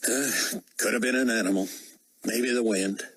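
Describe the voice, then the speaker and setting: Guy doing tired husband keeping watch, hushed, husky. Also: lowish voice, fairly even intonation, moderate pace, dry recording, voice pushed up, poor audio. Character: tense young husband on night watch.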